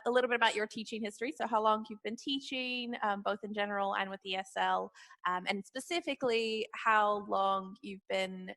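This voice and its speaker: A woman hosting a casual video call chat with teachers, friendly and quick to laugh. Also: mid-range voice, bright, forceful tone. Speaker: host and ESL interviewer.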